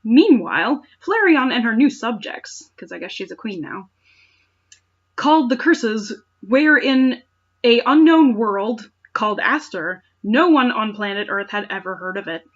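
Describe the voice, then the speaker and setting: A woman's voice: fairly high pitch, lively intonation, unhurried, dull audio. A woman reading fan fiction aloud with sarcastic, incredulous asides and exaggerated dramatic narration.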